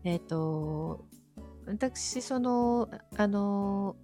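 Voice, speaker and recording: A woman's soothing voice at an ordinary pitch, with faint music behind it. She chats as an interview guest, gently and politely, often feeling her way through a phrase. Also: animated, very slow. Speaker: interview guest, audio streamer. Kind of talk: casual interview chat.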